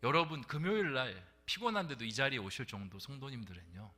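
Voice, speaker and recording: A man's voice: medium pitch, lively intonation, brisk, sharp tone. A middle-aged man preaching a sermon as pastor at a Friday prayer meeting, often dropping to a whisper for emphasis and putting questions to the congregation. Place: church sanctuary.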